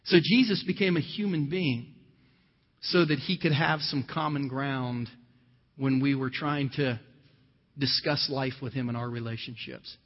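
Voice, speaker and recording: Storytelling pastor in a reverberant hall. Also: male voice, medium pitch, measured pace. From Ohio, USA. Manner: conversational storytelling with scripture quotes. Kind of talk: sermon. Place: church. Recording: dull lo-fi sound with long hall reverb.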